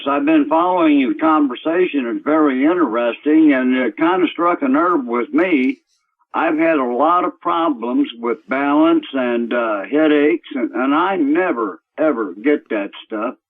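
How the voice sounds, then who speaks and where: A man phones into a talk show on speakerphone from his computer, so his voice comes through thin and tinny, like a phone line. He talks at a plain middle pitch and rambles, stalling often on fillers as he searches for words. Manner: rambling, halting with many fillers. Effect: on speakerphone over a computer call. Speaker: caller. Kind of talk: radio call-in talk.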